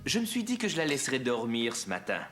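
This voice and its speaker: A man's voice: medium pitch, huge pitch swings, fast talker. An easygoing cartoon father, caring and patient as he explains. His intonation swings widely, with strong music in the background. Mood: patient, upbeat. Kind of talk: children's cartoon voice acting.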